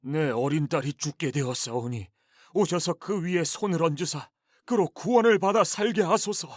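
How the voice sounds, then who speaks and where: A man's voice: fairly high pitch, normal speed, dry recording, clean studio sound, natural voice. A man playing a desperate father who earnestly pleads for his dying daughter, in a dramatized scripture reading. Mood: imploring. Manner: earnest, imploring.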